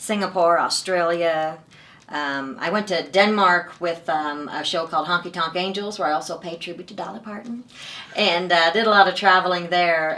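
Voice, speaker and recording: A woman with an American accent at medium pitch, moderate pace and ordinary pitch variation, with noticeable background noise. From US Pacific Northwest, Oregon. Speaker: singer, actress and ventriloquist. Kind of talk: interview.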